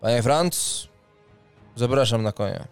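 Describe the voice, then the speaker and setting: A man's voice: medium pitch, takes it slowly, smooth. A man voicing a proud armoured knight captain in a tabletop game, formal and commanding, with pompous phrasing. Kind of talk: tabletop role-play acting. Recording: music under the voice.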